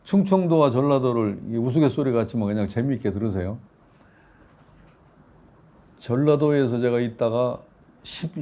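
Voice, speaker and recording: A man in his sixties, a professor being interviewed, telling lively anecdotes and acting out quotes with laughter. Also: mid-range voice. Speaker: professor guest. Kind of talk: conversational interview storytelling.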